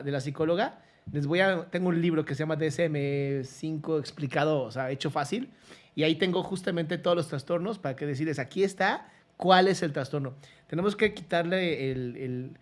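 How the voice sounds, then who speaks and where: A man with a Mexican accent comments casually, with a slightly high voice and a lot of energy. He talks frankly and colloquially, and he swears from time to time. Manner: animated, mimics voices when quoting. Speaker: psychologist reacting to trial footage.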